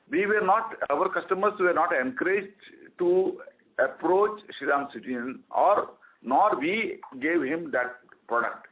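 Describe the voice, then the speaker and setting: Exec guy on a conference call, lots of uhs, tinny phone sound. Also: a little high. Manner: halting, many fillers and restarts. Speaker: company executive on an earnings call. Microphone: telephone. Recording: phone-line audio.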